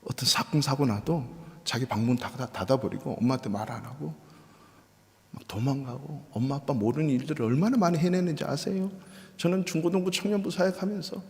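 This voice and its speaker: A middle-aged man preaching a sermon as pastor, telling stories, acting out voices and dropping at times to a soft whisper. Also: on the high side. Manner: storytelling, acts out voices, drops to soft whispers. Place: church sanctuary. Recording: reverberant church hall.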